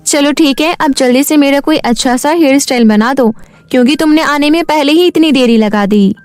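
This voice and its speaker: A woman voicing a confident, demanding young beauty-queen character in a cartoon story, speaking briskly. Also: high voice, darkish tone, no echo, faint music behind, pitched above the performer's own voice, close to an everyday voice. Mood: impatient, doubtful.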